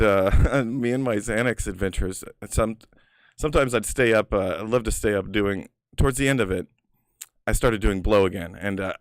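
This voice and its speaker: A man's voice: lowish voice, clear, resonant tone, no echo, studio quality. A man casually telling personal stories in a rambling, profane way, full of filler words. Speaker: storyteller.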